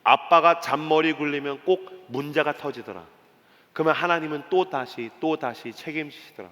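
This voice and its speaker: A man putting on aging father Abraham, dropping low and soft as he confides in his son. Slow, solemn and earnest, with a long reverb in the hall. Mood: tender.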